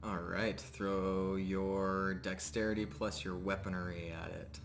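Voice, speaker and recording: Slow, low-voiced male game master. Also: level tone, music in the background. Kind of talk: improvised tabletop game narration.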